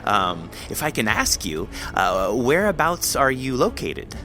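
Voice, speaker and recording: A man's voice: mid-range voice, very animated, a little slow, over music. A man hosting a podcast interview in a conversational, effusive and wordy manner.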